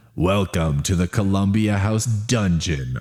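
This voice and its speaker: In a put-on character voice, a man speaks fairly slowly with a fairly low pitch. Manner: scary, menacing.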